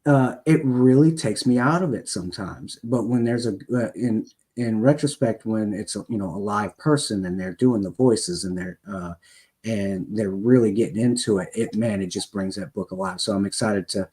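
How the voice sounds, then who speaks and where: A man's voice: lowish voice, normal speed, a little mellow, husky. A man hosting a podcast, talking in a loose, rambling way. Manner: rambling, with many fillers and restarts. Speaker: podcast host. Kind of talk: casual podcast interview.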